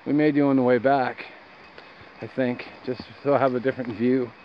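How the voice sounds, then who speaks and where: A man with a creaky voice chatting casually and off the cuff as he vlogs outdoors on a trail, with dry asides. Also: medium pitch, normal speed. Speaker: hiking vlogger. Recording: dull lo-fi outdoor sound, steady noise.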